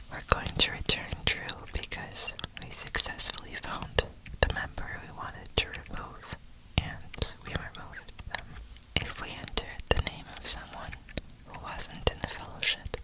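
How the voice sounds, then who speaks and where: A person whispering close to the ear in an unvoiced ASMR tutorial style, with deliberate delivery, as a programming instructor. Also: low-quality recording. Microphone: close ear-to-ear stereo microphone. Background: computer keyboard typing.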